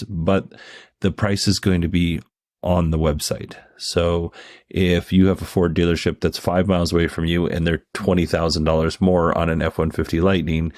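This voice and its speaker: Low-voiced man giving casual commentary. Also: a little mellow, dry recording, studio quality. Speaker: host commentator. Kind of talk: casual commentary on a company earnings call.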